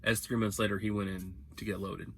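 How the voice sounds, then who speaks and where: Talking quickly in a lowish, fairly bright voice with little pitch movement, a young truck-driving vlogger gives sincere advice, wandering off and self-correcting as he goes. There's a bit of hiss or hum in this casual monologue.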